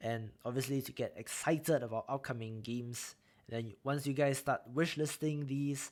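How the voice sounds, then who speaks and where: A man's medium-pitched voice with a Singaporean accent, fairly even intonation and a moderate pace, on a very clean recording with a silent background. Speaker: gaming YouTuber and streamer. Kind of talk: live stream chat. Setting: live stream. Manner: casual, conversational.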